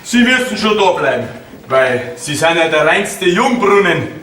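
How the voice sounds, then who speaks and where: A man's voice: high-pitched, very animated, measured pace, full character voice. A man playing a flustered, scheming middle-aged father with a Bavarian accent in a folk theatre comedy, stammering and repeating his words. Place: theatre stage before an audience. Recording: distant echoey stage, loud audience and noise.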